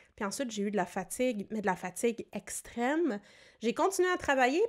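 Against a quiet background, a woman with a Quebec accent talks in an animated tone at a moderate pace. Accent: Québécois French. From Quebec, Montreal South Shore. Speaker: podcast co-host living with multiple sclerosis. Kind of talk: casual chat. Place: studio. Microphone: studio mic.

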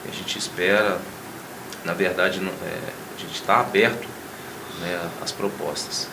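A man speaks at a fairly slow pace. Loud background noise is present. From Espírito Santo, Brazil. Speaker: football goalkeeper. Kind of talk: studio interview. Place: studio. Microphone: lapel.

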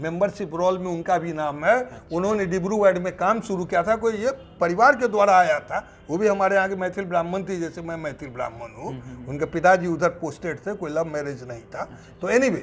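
Over light background noise, a man talks at a moderate pace. His pitch is high, with ordinary variation. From Bihar, Araria district (Forbesganj); Bihar, India. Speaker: doctor and medical professor, organisation founder; interviewee. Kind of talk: interview. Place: home room. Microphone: lapel.

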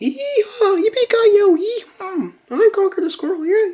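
A put-on character voice, squeaky and extremely high in pitch. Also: moderate pace. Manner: silly, annoying.

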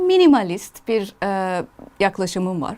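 A woman speaks at a fairly slow pace. Her pitch is medium. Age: 30s. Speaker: chocolate brand founder, nutrition specialist. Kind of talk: interview. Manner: halting, many fillers.

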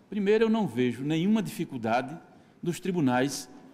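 This man has a dark, mellow tone and a fairly high pitch. He talks at a moderate pace with very wide pitch swings. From Brazil, Rio Grande do Norte. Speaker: judicial council member, lecturer. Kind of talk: lecture. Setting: auditorium with audience. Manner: halting, many fillers. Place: hall. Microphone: podium.

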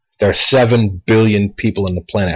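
A man speaks at a fairly quick pace with fairly even intonation. His voice is somewhat breathy against a quiet background. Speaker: video creator discussing spirituality. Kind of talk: solo monologue. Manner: casual, conversational. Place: home room. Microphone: headset.

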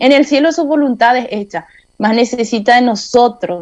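Against a quiet background, a woman speaks at a fairly high pitch. Her pitch variation is ordinary. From Paraguay. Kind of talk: testimony in an online meeting. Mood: warm, earnest. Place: home room. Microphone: earbuds.

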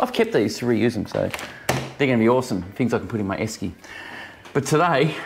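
Words come out at a very fast pace from a man, with light background noise underneath. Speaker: beer reviewer. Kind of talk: casual review chat. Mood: cheerful, laughing. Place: home room.

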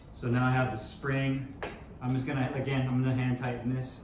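The speech runs at a fairly quick pace, with noticeable background noise and audible room echo. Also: man. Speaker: home gym equipment reviewer. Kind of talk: tutorial. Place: garage. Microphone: camera far.

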